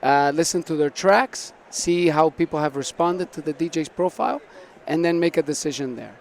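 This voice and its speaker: Higher-voiced man explaining, over background noise. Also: lively intonation, normal speed, vocal fry. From South America (Argentina and Venezuela), born in Canada. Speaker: startup founder being interviewed. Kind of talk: conversational interview answers. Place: busy tech conference floor. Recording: noisy busy event with background ambience.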